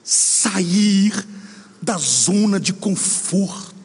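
A middle-aged man preaching a sermon, telling a story with lively acted-out dialogue. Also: high voice, drawn-out words, breathy edge. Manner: animated storytelling, acts out dialogue. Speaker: pastor. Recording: long hall reverb.

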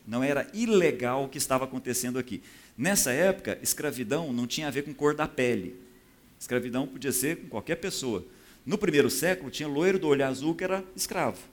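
A man delivers a sermon while explaining a scripture passage. His voice sits at an ordinary middle pitch for a man. He keeps the tone conversational and keeps asking the congregation whether they follow. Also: animated, fast talker. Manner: conversational, often checks in with the audience. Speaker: preacher.

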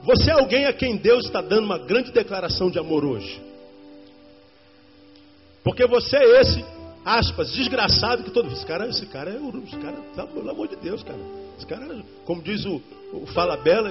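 A man's voice: high-pitched, big pitch swings, moderate pace. A male pastor preaching a sermon, addressing the congregation directly and repeating key lines for emphasis. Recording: dull lo-fi sermon recording with faint music.

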